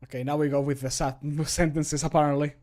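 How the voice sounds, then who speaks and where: A man in his thirties with a fairly high voice chats casually as a streamer at home. His manner is joking and self-deprecating, with loose swearing. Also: level tone, fairly quick, a little mellow. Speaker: streamer recording mod voice lines. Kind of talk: casual livestream chat. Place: indoor home room.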